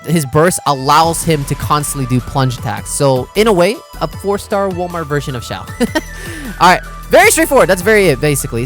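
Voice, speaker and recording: Male game reaction host, fairly high voice, very lively intonation, slangy exclamatory delivery. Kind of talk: casual reaction commentary on a game. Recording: music behind the voice. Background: game video music.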